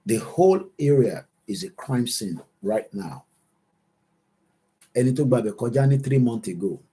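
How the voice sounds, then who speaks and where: A man's voice: medium pitch, mellow, breathy edge. Yoruba-accented man hosting a livestream. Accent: Nigerian, Yoruba. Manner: switches between English and Yoruba mid-sentence. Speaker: host of an online political livestream. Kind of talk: livestream commentary, reading out viewer comments.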